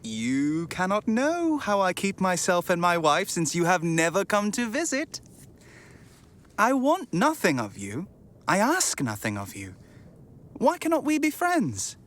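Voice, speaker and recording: An actor playing a cheerful, earnest, good-hearted young gentleman pleading in a theatrical radio drama. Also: high voice, wildly swooping pitch, a little slow, full character voice.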